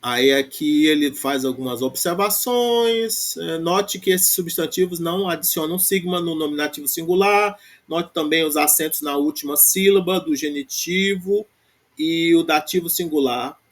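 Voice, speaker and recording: With a Brazilian Portuguese accent and a slightly high voice, a man teaches a lesson on Greek grammar. He recites word forms slowly, then explains in rapid bursts, frequently tacking on "né?".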